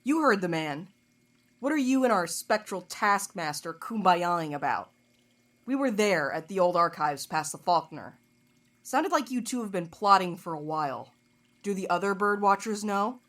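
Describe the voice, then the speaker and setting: An actress playing a tough, sharp-tempered woman in an audio drama, with a dry, no-nonsense manner. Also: medium pitch, animated, normal speed, natural voice. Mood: wry. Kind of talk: scripted audio drama acting.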